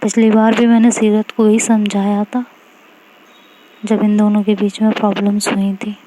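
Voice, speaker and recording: A woman's voice: mid-range voice, monotone, normal speed, mellow, slight background noise, natural voice, poor audio. A woman voicing an outspoken young woman who lectures and scolds her friends. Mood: lecturing. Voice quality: scolding, emphatic.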